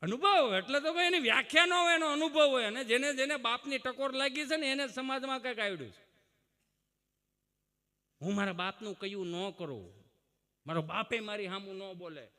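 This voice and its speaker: Man, stage comic storyteller, folksy and preachy, high, very bright, long hall echo. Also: moderate pace. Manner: preachy, folksy, breaks into mock shouts and sung lines. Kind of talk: folk comedy monologue on stage.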